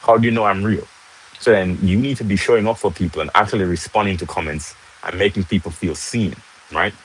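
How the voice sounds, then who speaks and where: Deep husky Jamaican man chatting live. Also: brisk, poor audio. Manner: chatty, repeats "right?", greets viewers mid-talk. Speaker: livestream host. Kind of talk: casual live-stream teaching. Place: in Jamaica, casual home setting.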